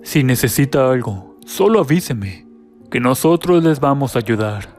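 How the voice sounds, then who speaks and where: A man's voice: mid-range voice, lively intonation, normal speed, darkish tone, natural voice. A lecherous older man, falsely cheerful and condescending, in a horror story reading. His talk is sly and patronizing, voiced by a male narrator. Faint music plays behind.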